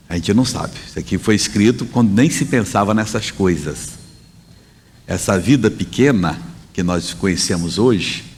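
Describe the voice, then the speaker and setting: A man preaching a sermon in a conversational, emphatic way, often pausing to correct himself. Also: on the low side, a little hiss or hum. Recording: long hall reverb.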